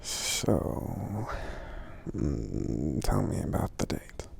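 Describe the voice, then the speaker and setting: Man voicing a very deep, gravelly gentle giant. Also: very animated, a little hiss or hum, exaggerated voice. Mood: gentle, helpful. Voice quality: breathy, gravelly, half-whispered. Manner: hesitant, courteous, unhurried, pausing with hums. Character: gentle, polite, protective friendly male giant. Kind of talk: soft-spoken ASMR roleplay.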